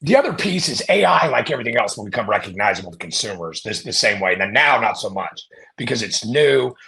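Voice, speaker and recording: Gravelly man, chatty podcast guest. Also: fairly low pitch, quick pace. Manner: animated storyteller, acts out quoted voices. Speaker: podcast guest, marketing company founder. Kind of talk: casual podcast conversation.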